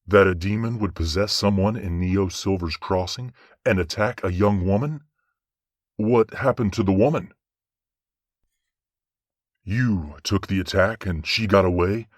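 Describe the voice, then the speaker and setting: Low male voice actor as a stern, fair archangel judge, formal and measured, fantasy audio drama, close dry sound. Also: no echo. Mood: stern questioning.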